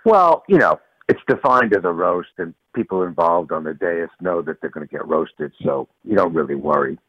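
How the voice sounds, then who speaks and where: A man on speakerphone over a phone line, a comedy writer talking as a guest in a dry, deadpan way. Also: sits low, moderate pace, slightly rough, dry recording. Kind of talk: casual call-in interview.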